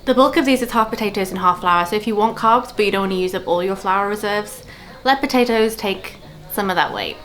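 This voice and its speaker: Female cooking vlog host, chatty with dry wit, medium pitch, casual delivery over music. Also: fairly quick, a bit bright, poor audio.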